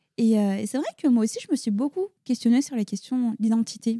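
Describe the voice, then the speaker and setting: The voice is somewhat breathy with a dark, mellow tone, captured as a dry, close sound with no echo. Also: woman. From France, Paris suburbs. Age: 30s. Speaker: clinical psychologist. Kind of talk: interview. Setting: therapist's office. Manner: casual.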